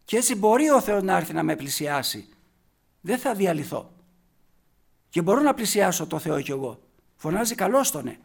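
A man preaching a sermon, emphatic and full of rhetorical questions, moving between quiet passages and loud, forceful bursts and slowing down to stress key words. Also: sits high, big pitch swings, gravelly.

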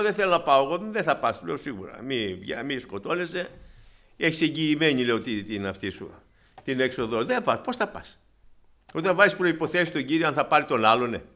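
A man preaching a sermon, swinging between loud exhortation and soft, low asides as he retells anecdotes to his congregation.

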